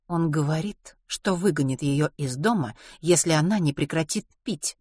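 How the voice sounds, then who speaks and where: A stern, disapproving woman in an audiobook, read by a female narrator. She grumbles with cold composure in a lowish pitch. The recording is dry and close. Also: moderate pace, no room sound. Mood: cold, calm. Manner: muttering, cold, even delivery.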